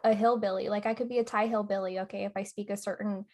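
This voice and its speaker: A woman's voice: medium pitch, fairly even intonation, fast, darkish tone. Chatty young woman, laughing storyteller. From United States. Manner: chatty, laughs easily, filler-heavy storytelling. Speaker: podcast co-host. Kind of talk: casual chat.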